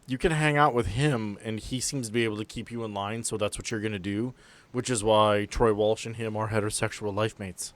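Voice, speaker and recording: A man's voice: lowish voice, fairly even intonation, fairly quick. A man hosting a tabletop game podcast as game master, chatting informally and bantering with friends. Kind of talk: casual group chat and introductions.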